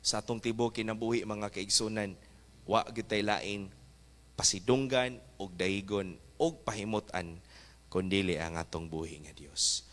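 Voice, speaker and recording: A man's voice: lowish voice, measured pace, a bit bright. A male pastor preaching a fervent sermon, mixing English exhortations into his talk. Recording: echoey church hall.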